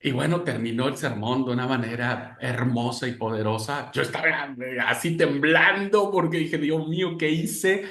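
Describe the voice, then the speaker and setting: A man teaching a class on preaching, telling a church story with lively, conversational warmth and tag questions like "¿viste?". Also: medium pitch, normal speed, few pauses, roomy sound. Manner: animated storyteller, frequent "¿viste?" and "hermanos". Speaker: preaching instructor. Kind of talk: homiletics class with a personal story.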